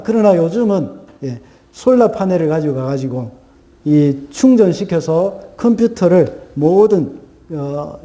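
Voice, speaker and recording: A man's voice: on the high side, dark tone. A male pastor preaching a sermon, telling a story earnestly with hesitant fillers and small self-corrections.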